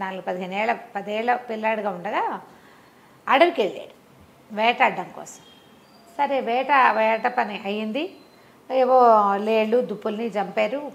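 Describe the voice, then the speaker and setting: A woman's voice: medium pitch, vocal fry. A woman storyteller narrating a folk tale in a conversational, explanatory way, repeating phrases for emphasis.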